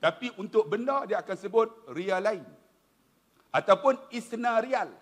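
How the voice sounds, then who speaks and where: A man's voice: high voice, unhurried. A middle-aged man with a Malaysian Malay accent giving a humorous religious lecture, telling stories and often addressing his audience directly. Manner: animated storytelling, addresses audience as tuan-tuan. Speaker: preacher.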